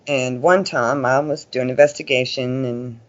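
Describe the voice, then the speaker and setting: A man's voice: medium pitch, steady tone, normal speed. A man talking casually as an interview guest, telling stories in a chatty, folksy way and often voicing quoted remarks. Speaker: interview guest, paranormal investigator. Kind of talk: casual conversational storytelling. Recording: dull lo-fi audio.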